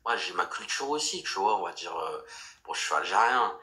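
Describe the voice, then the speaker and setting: Fired-up young man, bright voice. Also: low voice, sing-song, brisk. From France. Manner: fired-up, rambling, many restarts and fillers. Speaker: livestream host. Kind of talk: casual livestream chat.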